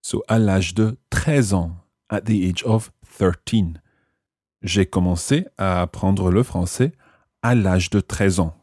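A man's voice: deep voice, slow pace, darkish tone, slightly rough, no echo, clean studio sound. A man hosting a language lesson, explaining and repeating phrases for learners in scripted teaching narration.

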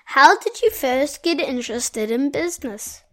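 A woman's voice: sits high, animated, measured pace, sharp tone. A woman with a New Zealand accent hosting an interview, reading an earnest scripted intro and asking questions. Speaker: podcast host, interviewer.

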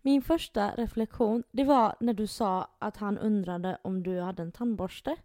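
A woman's voice: medium pitch, dark tone, no echo, clean studio sound. A young woman hosting a podcast in frank, casual chat, often laughing. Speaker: podcast host.

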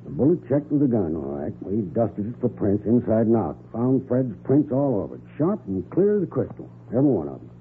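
An actor playing a gruff, folksy small-town police sheriff with a rustic drawl in a 1940s radio drama. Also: male voice, lowish voice, huge pitch swings, brisk, few pauses. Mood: plain, helpful. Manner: folksy, plain-spoken. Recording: muffled, noisy 1940s radio recording.

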